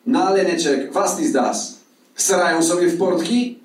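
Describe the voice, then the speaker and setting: Man putting on a stuck-up sneering german factory guard from a story, pitched way up, bouncy delivery, roomy echo. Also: lively intonation, moderate pace, lightly acted. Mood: mocking. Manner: pompous Prussian irony. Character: pompous, mocking German factory guard, middle-aged man. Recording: echoey hall from far off.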